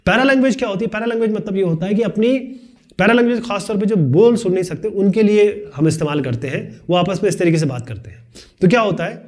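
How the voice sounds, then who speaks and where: A man teaching a video lesson, explaining quickly and chattily with joking asides. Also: high voice. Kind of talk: fast classroom video lesson.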